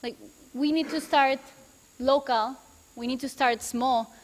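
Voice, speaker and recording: Female panelist, notably high voice, emphatic and idealistic, speaking live in a reverberant hall. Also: fairly even intonation, a little slow. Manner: emphatic, idealistic, repeats phrases. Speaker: debate panelist. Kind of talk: spontaneous persuasive panel talk. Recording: echoey hall, long reverb.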